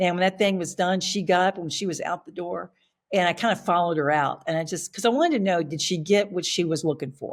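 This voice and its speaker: A plain, everyday voice with an American accent and ordinary pitch variation, on a very clean recording with a silent background. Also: woman. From Virginia, US South. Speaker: pastor. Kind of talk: casual chat.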